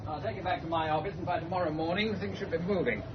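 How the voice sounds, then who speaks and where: An actor playing a commanding British colonel with clipped, old-fashioned speech in 1940s radio style. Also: male voice, on the high side, quick pace, close to an everyday voice. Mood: brisk. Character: Colonel Gardner, stiff older British officer. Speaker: colonel, head of intelligence. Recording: dull archive radio recording with hiss.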